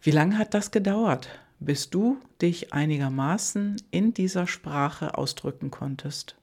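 A life coach speaking calmly and intimately in a podcast monologue, often sinking into a soft near-whisper. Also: mid-range voice, measured pace.

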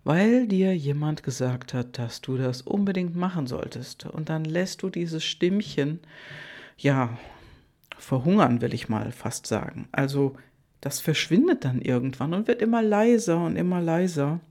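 Slow coach talking right at you, lots of fillers and restarts, repeats the soft bits. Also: mid-range voice, lively intonation. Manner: speaks directly to the listener with frequent "ja" fillers and self-corrections. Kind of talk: motivational monologue addressed to the listener.

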